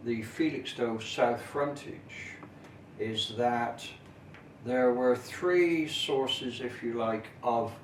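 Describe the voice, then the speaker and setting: A middle-aged or older man giving an informal, detailed explanatory talk as a local history presenter, in measured, formal phrasing with hesitant pauses. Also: mid-range voice. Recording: echoey, noisy room, distant camera microphone.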